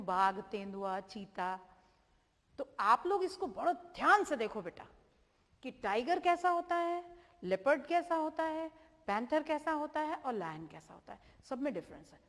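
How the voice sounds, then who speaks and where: A woman's voice: on the high side, long reverb tail. A woman teaching children, patiently repeating and spelling words out, checking in with them often. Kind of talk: children's vocabulary lesson.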